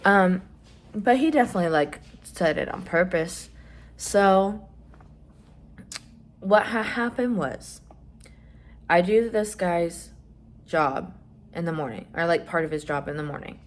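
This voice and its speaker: A young trans man chatting casually in a vlog, rambling with lots of fillers and some swearing, his voice rising when he gets excited. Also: a little slow, long pauses. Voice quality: voice still fairly high, rising when excited. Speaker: vlogger.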